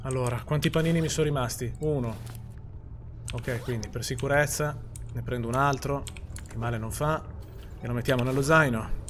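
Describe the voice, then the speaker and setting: A man's voice: medium pitch, normal speed, a little hiss or hum. A man streaming a horror game, talking to his chat in casual live commentary, swearing and muttering as he plays. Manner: talks to the chat, swears, jumps from muttering to panicked shouts.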